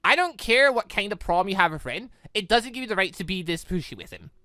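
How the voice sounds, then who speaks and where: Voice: medium pitch, sing-song, fast talker, bright, forceful tone, no echo, studio quality. A let's play host voicing an angry, protective young woman in a visual novel, confrontational and indignant. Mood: indignant scolding.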